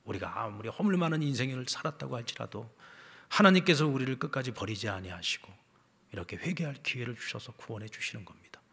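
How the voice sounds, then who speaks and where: Man, pastor, husky voice, long echo of a church hall, storytelling sermon, loud then hushed. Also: mid-range voice, lively intonation, quick pace. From South Korea. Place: church sanctuary.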